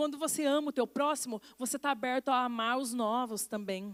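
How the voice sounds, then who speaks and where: A woman talks in a high-pitched voice with ordinary pitch variation. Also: very clean recording, silent background. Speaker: pastor. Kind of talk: sermon.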